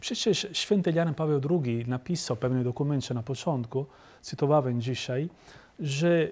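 Somewhat breathy and fairly high-pitched, a man with an Italian accent speaks at a moderate pace with lively intonation. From northern Italy, Milan; northern Italy. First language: Italian (speaking Polish). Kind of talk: interview. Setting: TV studio. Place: studio. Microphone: lapel.

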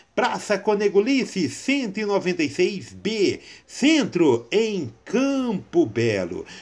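Over a quiet background, a man with a high pitch speaks at a very slow pace with very wide pitch swings. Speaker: local advertising announcer. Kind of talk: loud repetitive promo pitch, hammering the deal and phone numbers. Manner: urgent hard-sell call to action.

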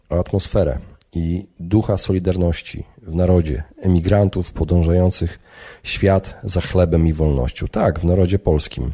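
A man's very deep, low voice, dark and mellow, with ordinary pitch variation at a moderate pace. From Poland, Białystok. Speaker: podcast host. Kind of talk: solo monologue podcast.

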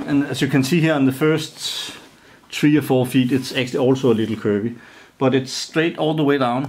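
His intonation remains fairly even. This man speaks at a fairly quick pace. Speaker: boat builder vlogger. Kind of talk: casual video update. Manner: many fillers. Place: workshop. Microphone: phone near.

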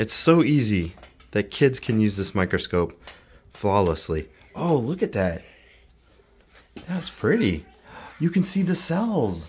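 A man's somewhat breathy, medium-pitched voice at a fairly slow pace, with very wide pitch swings and long, frequent pauses. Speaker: clinical engineer YouTuber. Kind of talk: casual product demo with his kids. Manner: animated.

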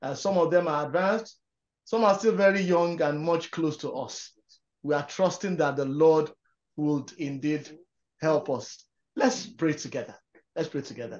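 With a fairly high pitch and ordinary pitch variation, a man talks at a moderate pace. He leaves long, frequent pauses. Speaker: program moderator. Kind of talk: panel discussion. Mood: warm, earnest, smiling. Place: studio.

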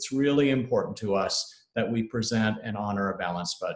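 A man with ordinary pitch variation talks at a moderate speed while room echo is audible around him. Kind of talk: public update address. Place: home room. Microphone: phone near.

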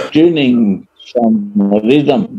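The background is quiet. The voice makes very wide pitch swings. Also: man. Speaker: spiritual teacher. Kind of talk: spiritual talk. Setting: video call. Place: home room.

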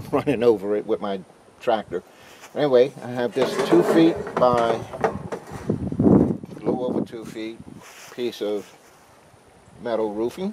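A man speaks at a fairly slow pace with ordinary pitch variation and long, frequent pauses. The sound is dry with no echo, though loud background noise is present. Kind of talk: tutorial. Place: open country. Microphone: camera far.

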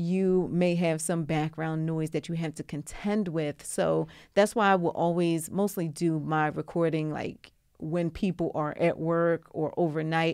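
Over a quiet background, a woman speaks slowly at a fairly low pitch, her intonation monotone and flat. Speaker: audiobook narrator, YouTuber. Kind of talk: Q&A tutorial chat. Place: studio. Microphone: studio mic.

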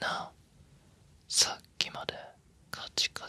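A man whispers at a very slow pace. The sound is dry, with no echo. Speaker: quiz host. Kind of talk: ASMR quiz show hosting. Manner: teasing whisper reading quiz riddle. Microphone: studio mic.

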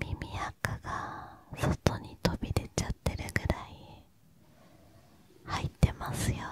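Whispering at a very slow pace, a woman speaks with big swings in loudness. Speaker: ASMR creator; esthetician. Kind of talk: ASMR ear-cleaning role play. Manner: soft-spoken, caring. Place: home room. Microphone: studio mic.

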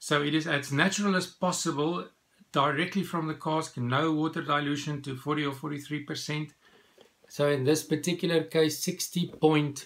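This man talks at a fairly slow pace. His intonation stays fairly even. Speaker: whisky reviewer. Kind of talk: casual review talk. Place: home room. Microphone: phone near.

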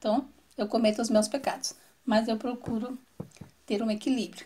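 With a fairly high pitch, a woman talks in a somewhat breathy way. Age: 50s. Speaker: beauty and cooking YouTuber; cooking YouTuber. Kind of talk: casual vlog talk to viewers. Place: home room. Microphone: lapel.

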